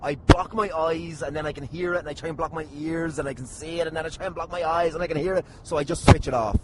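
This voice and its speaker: A man's voice: fairly high pitch, steady tone, fast. An Irish man hosting a podcast with casual, jokey, teasing chat and some swearing. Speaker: podcast host. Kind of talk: casual comic banter. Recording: very noisy, slightly distant at times.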